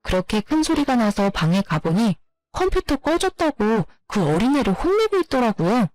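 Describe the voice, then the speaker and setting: A woman narrating her own story in the first person, with plain, steady storytelling and a complaining tone. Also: a little high, normal speed, no room sound.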